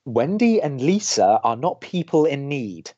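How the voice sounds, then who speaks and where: A man's voice: medium pitch, very animated, unhurried, dark tone, no room sound, highs cut off, faint music behind. A man playing an exasperated young college radio DJ, bantering with dry sarcasm and a defensive edge. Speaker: radio host.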